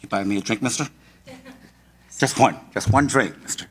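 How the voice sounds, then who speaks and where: An actor in a radio play stage reading, playing a broken old drunkard who begs pitifully. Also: male voice, lowish voice, moderate pace, slight background noise, close to an everyday voice. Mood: pleading. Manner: pleading.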